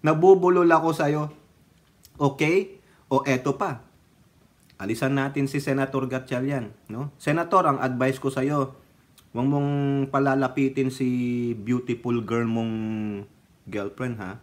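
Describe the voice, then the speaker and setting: A man's voice: medium pitch, measured pace, pauses often. A man with a Filipino accent giving casual political commentary on his own channel, mocking and laughing often, sometimes breaking into bits of song. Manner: mocking, laughs often, sings snatches of songs. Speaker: political vlogger.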